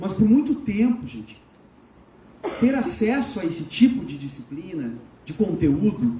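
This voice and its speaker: A man with a southern Brazilian accent talks in a high voice at a fairly slow pace, with long, frequent pauses. His pitch swings very widely and his loudness rises and falls a lot, with audible room echo. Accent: gaúcho accent noticeable. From southern Brazil, Porto Alegre. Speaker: education program representative. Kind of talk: presentation to parents at school event. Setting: amphitheater with audience. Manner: enthusiastic.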